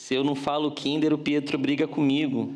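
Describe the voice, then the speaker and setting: With a Brazilian accent, a man speaks at a moderate pace amid audible room echo. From Brazil, Rio de Janeiro. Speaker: missionary preacher. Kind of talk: sermon. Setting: church. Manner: halting.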